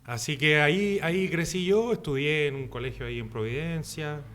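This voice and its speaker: A man's voice: fairly high pitch, moderate pace, fairly bright tone. A man from Santiago with a Chilean Spanish accent, recounting his childhood casually as a podcast guest, hesitant and full of fillers. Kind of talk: casual chat.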